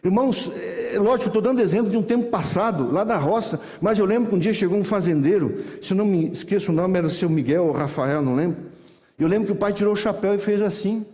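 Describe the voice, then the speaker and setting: A middle-aged male pastor, preaching a sermon in animated, folksy storytelling that acts out voices. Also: high voice, quick pace. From Brazil. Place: church hall. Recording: reverberant church hall.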